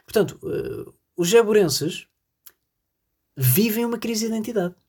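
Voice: medium pitch, animated, a little slow, mellow, husky. A podcast host from Portugal, rambling jokily through a solo monologue and talking straight to the listeners. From northern Portugal. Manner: rambling, jokey, addresses listeners directly.

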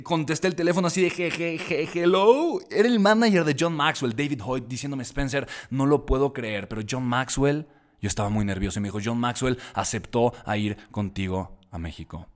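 Man telling an animated story. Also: a little high. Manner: animated, repeats words for emphasis. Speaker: entrepreneur telling his story. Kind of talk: emotional personal storytelling.

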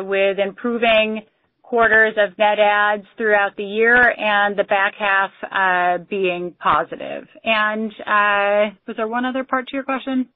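A woman's voice: mid-range voice, no room sound. Woman executive on muffled, dry conference audio. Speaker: company executive. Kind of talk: earnings call answers in business register. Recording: muffled, band-limited conference call audio.

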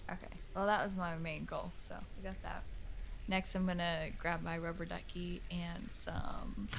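Lowish-voiced young female tabletop player. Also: little pitch movement, measured pace, creaky, a little hiss or hum. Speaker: player in a tabletop role-playing game. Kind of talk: casual improvised game chat. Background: music.

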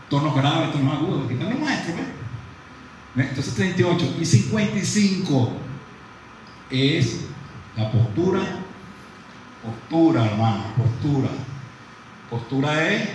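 A man gives a live lecture in a large room, his fairly high voice caught from a distance by a room mic. The hall rings with strong echo, and a faint hiss sits underneath. He talks in a lively, conversational way and keeps asking the audience questions. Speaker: psychologist lecturing dentists. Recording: very echoey hall from far off, faint noise.

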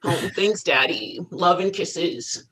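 Man voicing a dramatic young gay man, campy, profane, theatrical, swooping lively pitch. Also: takes it slowly, exaggerated voice. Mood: sassy. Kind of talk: comedy script table read.

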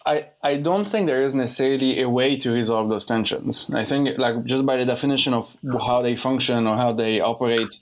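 A man's voice: mid-range voice, brisk, few pauses. A young man from Lebanon hosting a podcast, talking in a loose, rambling way with many restarts. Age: young adult. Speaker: podcast host. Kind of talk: casual conversation.

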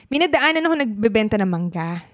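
A woman's voice: mid-range voice, fast, no room sound, studio quality. A woman from Pampanga telling stories in a casual chat, mixing in English as she talks. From Pampanga, Philippines. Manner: animated storytelling, switches between Tagalog and English.

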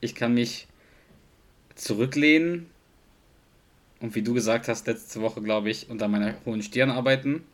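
A man's voice: medium pitch, normal speed, pauses often. A man co-hosting a casual podcast, chatting playfully with his friend, laughing and quoting lines. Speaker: podcast co-host. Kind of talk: casual chat between friends.

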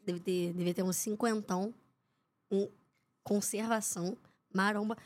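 A woman's voice: medium pitch, a little slow. A young woman, a sports reporter telling anecdotes as a podcast guest and acting out what people said. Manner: lively storyteller who acts out the quotes of people in her stories.

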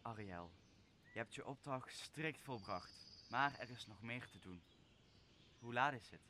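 A young man playing a wronged, commanding exiled sorcerer in a Dutch radio play, speaking solemnly and deliberately. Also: mid-range voice, lively intonation, sharp tone, slight background noise. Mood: commanding, brooding. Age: young adult. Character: wronged exiled sorcerer master, brooding and commanding, father figure. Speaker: drama student actor.

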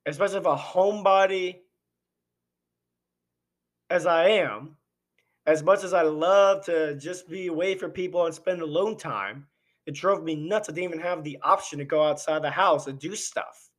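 Speaking at a moderate pace in a voice on the high side, this man hosts a podcast. He's giving an impassioned, opinionated political monologue full of rhetorical questions, and his voice is going.

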